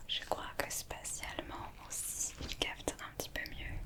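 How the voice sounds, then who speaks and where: Noticeable background noise runs beneath a woman whispering at a very slow pace. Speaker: ASMR creator. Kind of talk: ASMR whisper session. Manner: whispered, soft-spoken.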